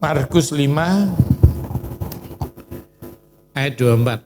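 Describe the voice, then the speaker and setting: A man preaching a sermon in Indonesian churches' lively style, asking the congregation questions and calling on a reader. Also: a little high, slow pace, background noise.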